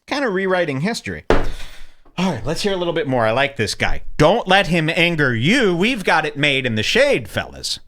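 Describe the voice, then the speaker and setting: A man's voice: fairly high pitch, big pitch swings, moderate pace, pushed and bright. A man hosting a radio show, heckling and mocking clips with crude sarcasm. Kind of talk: mocking commentary over clips.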